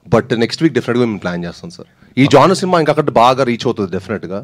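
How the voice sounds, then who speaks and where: A man's voice: mid-range voice, sing-song. A man, a film producer, answering reporters at a press meet, adding "sir" to nearly every sentence. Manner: rapid, says "sir" often.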